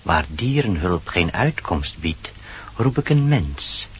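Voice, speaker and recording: An actor playing a loyal, earnest dog with a husky voice, speaking verse in a radio drama. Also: male voice, low-pitched, very animated, takes it slowly, slight background noise, heavily acted. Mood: earnest, devoted. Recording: dull old radio recording.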